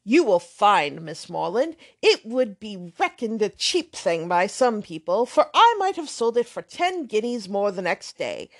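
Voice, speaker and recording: A woman voicing a boastful, blustering young man, loud and emphatic. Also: medium pitch, big pitch swings, measured pace, hardly any pauses.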